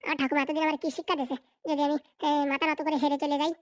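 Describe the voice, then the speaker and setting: A woman's voice: sits high, level tone, very fast, no room sound, lightly acted. A voice actor doing a scheming cartoon woman. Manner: plotting, defiant inner monologue. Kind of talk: sped-up cartoon voice acting.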